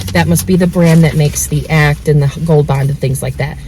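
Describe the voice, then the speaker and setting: With an animated tone and a fairly quick pace, a woman talks over noticeable background noise. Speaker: couponing vlogger. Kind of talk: haul video tutorial.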